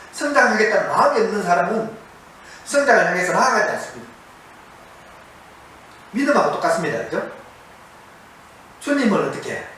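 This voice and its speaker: The recording is very echoey and faintly noisy, taken from a distant mic, as a man preaches in a monastery. He has a high, fairly bright voice, poses questions to the audience, and repeats key words to stress them.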